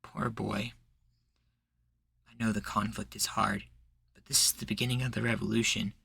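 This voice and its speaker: A man's voice: fairly low pitch, little pitch movement, moderate pace, vocal fry, pushed and bright, slightly rough, exaggerated voice. A man playing an earnest, persuasive rebel leader in a roleplay, making speeches with a folksy turn of phrase. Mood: urgent, coaxing. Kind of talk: roleplay ASMR acting.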